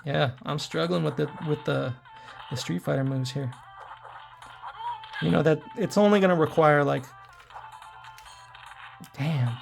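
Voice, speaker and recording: A man in his forties talks his way through a handheld game session, addressing viewers in loose, rambling asides. His voice is worn and hoarse, deeply gravelly and raspy, and sits a touch higher than most men's. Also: unhurried, pauses often, soft background music. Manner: rambling, chatty, talks to viewers while playing. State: hoarse from throat trouble. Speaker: tech reviewer playing retro games. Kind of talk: casual gameplay commentary.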